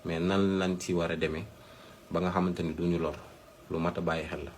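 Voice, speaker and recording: A man's voice: low-pitched, little pitch movement, fairly quick, slight background noise. A Senegalese man, host of a health channel, explaining advice to viewers in an instructive way with emphatic repetition. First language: Wolof.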